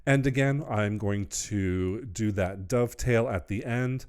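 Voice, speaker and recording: A man's voice: fairly low pitch, measured pace, smooth. A middle-aged man hosting a wreath-making tutorial, explaining each step in an upbeat, instructional way. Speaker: wreath-making channel host. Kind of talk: craft tutorial voice-over.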